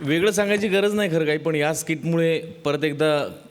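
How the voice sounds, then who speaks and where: A man speaking as a show judge, giving measured, appreciative praise. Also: a little high, steady tone, a faint crowd, slight background noise. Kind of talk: praising commentary.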